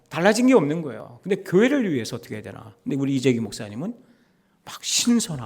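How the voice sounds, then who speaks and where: Very rapid speech from a man, pitched fairly high and swinging widely up and down. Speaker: pastor and seminary president. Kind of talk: sermon. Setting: church.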